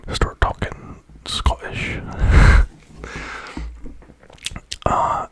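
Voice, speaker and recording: Whispering ASMR creator, musing softly. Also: very high voice, wildly swooping pitch, unhurried. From America. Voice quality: breathy, unvoiced whisper. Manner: musing, meandering, playful. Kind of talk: whispered ASMR, rambling casual chat.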